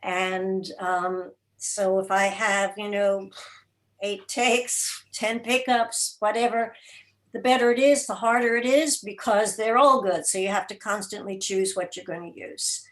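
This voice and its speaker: A woman speaking as an interview guest, explaining her production work informally in a halting, thoughtful way with searching pauses. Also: mid-range voice, steady tone, rough recording. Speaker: interview guest, radio program and podcast producer. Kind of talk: informal spoken explanation at an online gathering.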